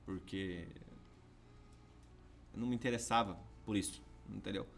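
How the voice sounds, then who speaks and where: A man with a Brazilian accent, a podcast guest telling his story in an animated, casual way. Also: fairly low pitch, normal speed, vocal fry, a little hiss or hum. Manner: animated, peppers speech with "cara" and "entendeu".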